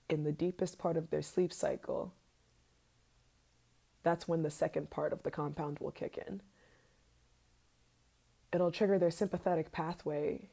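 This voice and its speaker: A woman voicing an obsessive yandere scientist in an ASMR role-play, sweet and sinister, soft-spoken with hesitant pauses. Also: low voice, creaky, full character voice.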